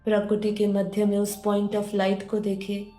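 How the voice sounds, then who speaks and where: A woman guides a meditation in a soft-toned, mellow voice, speaking very slowly and repeating phrases as she gently instructs. Her delivery stays quite even in pitch. The voice carries a roomy echo. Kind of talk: guided meditation, spiritual teaching. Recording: roomy echo under background music. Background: music.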